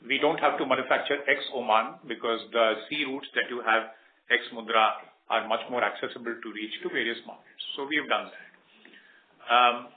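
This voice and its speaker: Indian male executive, mid-pitched, explaining business results on a roomy, phone-like conference line. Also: a little hiss or hum. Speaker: company executive answering analysts. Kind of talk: earnings call answers, explanatory business talk. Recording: roomy, muffled low-bandwidth conference line.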